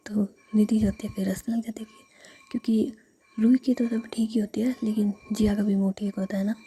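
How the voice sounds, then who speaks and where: Female storyteller, breathy whisper, dark and flat. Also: medium pitch, fairly quick.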